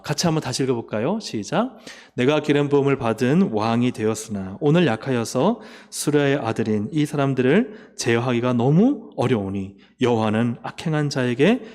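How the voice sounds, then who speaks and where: A man preaching a sermon as pastor. He asks the congregation questions and answers them himself, and he moves between emphatic rises and quiet, low endings. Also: sing-song, moderate pace, few pauses. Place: church sanctuary. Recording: long hall reverb.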